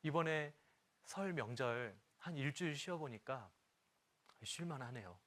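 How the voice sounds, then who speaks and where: A man's voice: mid-range voice, expressive, measured pace, fairly bright tone. Korean male pastor preaching. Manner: reads scripture aloud, then personal anecdotes with humor; sings a hymn line briefly. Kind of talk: sermon to church teachers.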